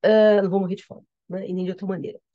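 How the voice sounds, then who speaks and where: Woman doing a sad brazilian poet guy talking himself round, quiet, dry sound. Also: medium pitch, level tone, very fast, dry recording, highs cut off, lightly acted. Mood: resigned. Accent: Brazilian Portuguese. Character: lovesick young male poet resolving to live.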